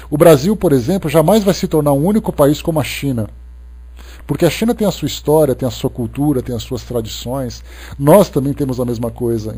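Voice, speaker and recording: A Brazilian man with a Brazilian Portuguese accent giving a spiritist talk, reading viewer comments aloud and answering them in a relaxed, conversational way full of "né" tags. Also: mid-range voice, slightly rough. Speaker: spiritist lecturer.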